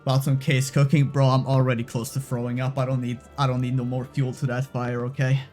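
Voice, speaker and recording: A man's voice: medium pitch, monotone, a little fast, a little mellow, soft background music. A man streaming a game live, shaken and stressed, swearing and repeating himself.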